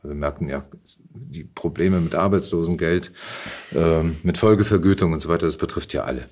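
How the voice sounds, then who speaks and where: A man's voice: low-pitched, brisk, a little mellow. A middle-aged man talking casually as a guest in an interview, recounting his experiences in a conversational way. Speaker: podcast guest, actor and voice actor.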